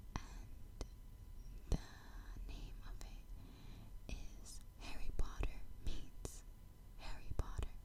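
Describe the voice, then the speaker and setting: Whispering at a very slow pace with long, frequent pauses. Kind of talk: casual talk to camera. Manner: soft-spoken.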